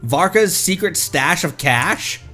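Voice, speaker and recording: A man hosting a live game stream with casual, expressive, self-teasing commentary. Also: a little high, slow pace, soft background music.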